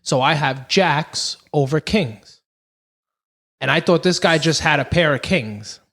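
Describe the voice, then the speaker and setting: A man in his thirties hosting a podcast, telling a profane, animated story in casual chat. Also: a little high, measured pace. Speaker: podcast host.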